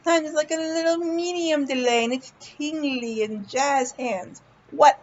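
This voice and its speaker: A woman with a high voice talks in a casual, rambling vlog style. She is playful and blunt, swears freely, and often stalls and repeats words while finding her thought. The recording is a little dull and lo-fi. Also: a little hiss or hum. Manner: halting, repeats words while searching for them. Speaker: vlog host. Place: indoors, lying in a hospital bed with a fan running.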